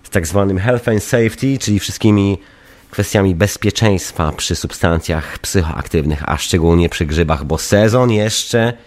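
A man's voice: low-pitched, unhurried. A man with a head cold and a stuffy, runny-nosed voice, hosting a live radio show in a casual, chatty way and repeating himself. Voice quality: stuffy, nasal voice from a runny nose. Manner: chatty, repeats phrases for emphasis. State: congested with a head cold, sniffling.

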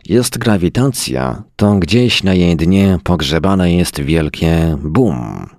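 A man's voice: low-pitched, lively intonation, slow, darkish tone, dry recording, studio quality, full character voice. A man voicing a sardonic, hard-drinking male professor who talks in mocking, long-winded turns.

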